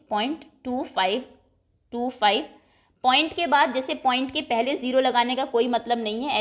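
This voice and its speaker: Patient woman teaching maths step by step. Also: fairly high pitch. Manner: patient, step-by-step, checks in with "okay?". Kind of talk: classroom lesson explanation.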